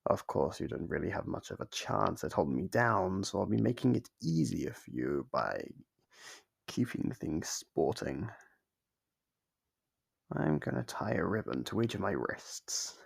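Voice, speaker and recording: A man playing a sadistic, playfully menacing monster captor in an ASMR horror roleplay, with a gravelly, husky voice and a slow, teasing delivery. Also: sits low, very animated, full character voice.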